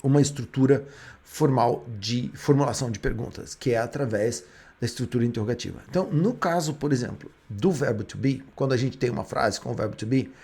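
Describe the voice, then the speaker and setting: A man's voice: medium pitch, fairly quick, mellow, breathy edge. A Brazilian man, a native Portuguese speaker, explaining English grammar step by step as a teacher. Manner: explains step by step, with frequent restarts.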